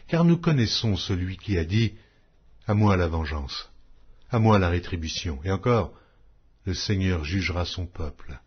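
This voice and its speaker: A man reading scripture aloud as a formal audiobook narration, in a solemn, measured, declamatory way. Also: lowish voice, breathy edge, highs cut off.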